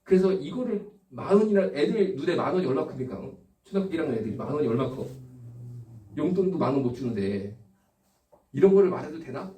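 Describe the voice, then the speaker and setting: Animated male pastor preaching in an echoey hall. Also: a little high. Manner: animated storytelling, rhetorical questions to the congregation. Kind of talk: sermon. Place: church hall. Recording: echoey room, distant from the mic.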